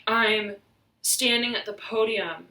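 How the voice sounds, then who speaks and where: A woman giving an intuitive tarot reading, halting and searching as she talks, slightly hoarse, often saying "right" and "I'm hearing.". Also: on the high side, pushed and bright, recorded from a distance. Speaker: tarot reader. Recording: roomy echo, voice off-mic.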